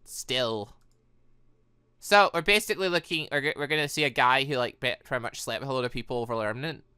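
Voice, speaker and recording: A man's voice: medium pitch, a little fast, bright, forceful tone, smooth, no echo. A man giving casual, rambling commentary over a game playthrough, reading dialogue and reacting with stammering asides. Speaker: gaming video host.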